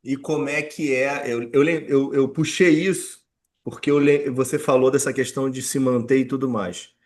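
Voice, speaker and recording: A Brazilian man hosting a casual interview, haltingly searching for words and repeating the openings of his questions. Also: mid-range voice, steady tone. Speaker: podcast host.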